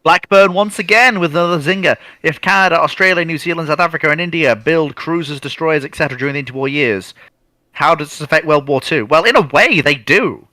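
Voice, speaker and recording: A man's voice: a little high, brisk, bright, forceful tone, no echo. A man co-hosting a casual livestream chat, reading out questions from viewers.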